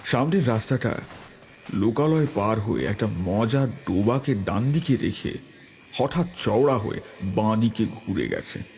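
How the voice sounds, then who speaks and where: A man narrating a scripted horror story in a slow, measured, atmospheric way. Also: fairly low pitch, expressive, a little mellow, a little hiss or hum.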